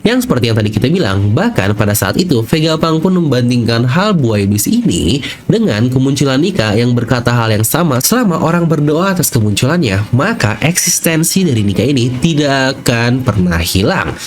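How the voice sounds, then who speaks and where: An Indonesian man narrates a casual theory explainer with lively, swinging intonation. He leans on emphasis and rhetorical questions in colloquial speech. A faint layer of background noise sits behind his voice. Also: medium pitch, brisk. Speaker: YouTube host.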